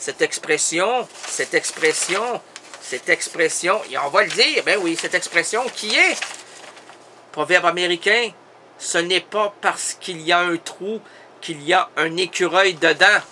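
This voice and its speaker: A man's voice: sits high, unhurried, background noise. A man with a Québécois accent doing a theatrical, absurd comic monologue full of wordplay. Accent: Québécois French. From Quebec. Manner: theatrical, wordplay-driven, exaggerated. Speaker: comic host.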